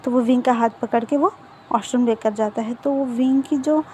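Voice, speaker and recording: A woman's voice: fairly high pitch, moderate pace, a little mellow, a little hiss or hum. Chatty woman retelling a story. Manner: chatty, full of fillers and restarts. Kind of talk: casual retelling of a fan fiction story.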